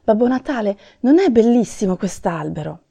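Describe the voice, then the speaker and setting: A woman voicing an eager, cheerful male Christmas elf helper in a storybook reading, lively and excited. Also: a little high, moderate pace, gravelly, breathy edge, dry recording, clean studio sound, exaggerated voice.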